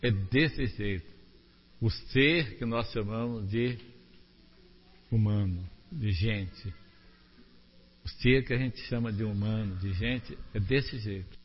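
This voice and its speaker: A man preaching a sermon, animated, asking the congregation rhetorical questions. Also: fairly low pitch, slow pace, pauses often, husky, in a large hall, dull audio.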